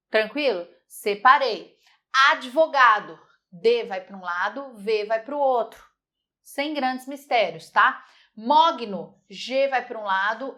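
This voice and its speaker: Woman, grammar teacher, fairly high voice, emphatic, lively, online lesson. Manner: lively, emphatic, repeats words slowly to model sounds. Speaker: Portuguese teacher.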